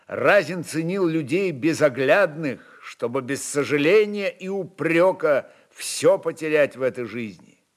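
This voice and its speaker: Man, slow pace, medium pitch, dramatic literary narration, deliberate phrasing, expressive delivery. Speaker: narrator reading a literary work.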